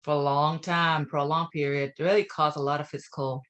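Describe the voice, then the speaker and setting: A woman's voice: sits low, flat delivery, a little fast, a bit bright. A woman hosting a casual interview, enthusiastic and full of wonder, filling her speech with "you know". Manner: frequent "you know" fillers. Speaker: interview host.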